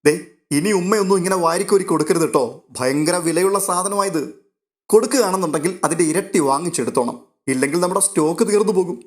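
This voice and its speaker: A man's voice: high-pitched, fast, voice pushed up, close to an everyday voice. A man voicing a playful, bossy young woman who scolds in a mock-stern way, in a read-aloud novel.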